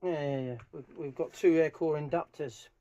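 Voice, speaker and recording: A man's voice: a little high, fairly even intonation, moderate pace, dark tone, lo-fi sound. A middle-aged man giving informal hands-on commentary in a workshop, thinking aloud as he works. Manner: thinking aloud while working with his hands. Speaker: DIY speaker restorer presenting a how-to video. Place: small cluttered workshop, indoors. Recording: clear background noise, clicks of handling.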